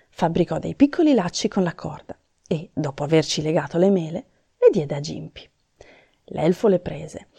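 A woman narrating a children's fairy tale in a calm, gentle storybook manner. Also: fairly low pitch, husky, no echo.

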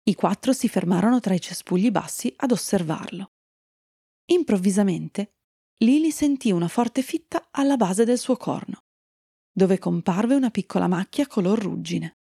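A woman storyteller gently reading a fairy tale to children and chatting kindly with her young listeners. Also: mid-range voice, expressive, normal speed, creaky, slightly rough, no room sound, clean studio sound.

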